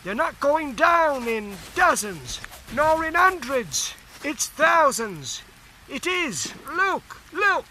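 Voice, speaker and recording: A man voicing an excited young British soldier who bellows in astonishment. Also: very high voice, takes it slowly, slight background noise, pitched above the performer's own voice, heavily acted. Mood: astonished.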